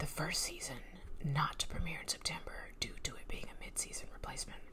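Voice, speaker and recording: The speaker is a woman who whispers. She goes at a fairly quick pace. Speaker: content creator. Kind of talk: casual vlog chat reading facts. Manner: soft, hushed ASMR talk. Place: home room. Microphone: webcam.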